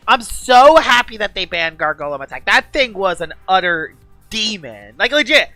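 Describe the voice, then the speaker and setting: A woman game streamer talking excitedly in a casual live-stream chat, gushing and chatty. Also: mid-range voice, no room sound.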